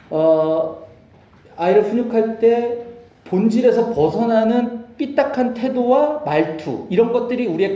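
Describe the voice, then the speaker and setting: A man in his forties giving a relaxed, chatty Bible message to a group of small-group leaders in a meeting room. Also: sits high, echoey room. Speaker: lay Bible teacher.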